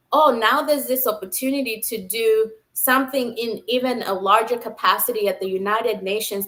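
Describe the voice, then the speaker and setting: A woman's voice: mid-range voice, fairly bright tone. A woman from Zambia, a nurse scientist, telling her career story in an earnest, enthusiastic conversational way. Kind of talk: conversational interview.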